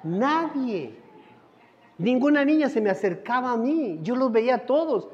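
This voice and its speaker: A middle-aged male pastor delivers a storytelling sermon in a high-pitched voice. He swings between loud, emphatic lines and hushed, intimate ones. The recording is dull and muffled, with a long church reverb trailing his words. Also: big pitch swings, a little slow, a little hiss or hum. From Colombia. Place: church sanctuary.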